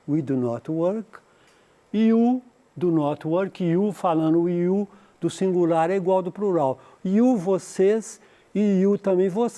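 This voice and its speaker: Brazilian guy teaching english class, kinda high voice but soft and mellow, repeats examples slow. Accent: Brazilian Portuguese. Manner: explains patiently, repeats English example sentences slowly. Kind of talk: recorded high school lesson.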